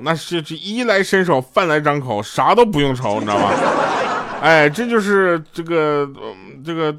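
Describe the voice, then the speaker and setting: A man's voice: a little high, very noisy. A man hosting a comedic radio show, telling jokes in a loose, rambling way and chuckling at his own punchlines. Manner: joking storyteller, chuckles between punchlines; loose, stumbling restarts.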